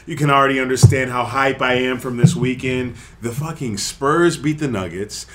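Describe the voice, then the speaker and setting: A man co-hosting a casual podcast, loud and excitable, swearing and laughing often. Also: mid-range voice, moderate pace. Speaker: podcast co-host. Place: room with others around a table.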